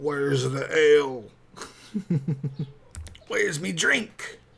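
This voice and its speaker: A man puts on a raspy, guttural character voice, fairly high in pitch, and speaks at a very slow pace. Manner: gruff.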